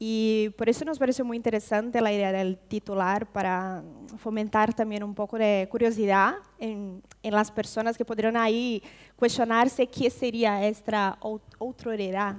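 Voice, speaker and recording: On a very clean recording with a silent background, a woman with a Brazilian accent speaks fairly slowly at a fairly high pitch with fairly even intonation. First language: Portuguese (speaking Spanish). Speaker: event moderator. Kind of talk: panel discussion moderation. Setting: public event with live audience.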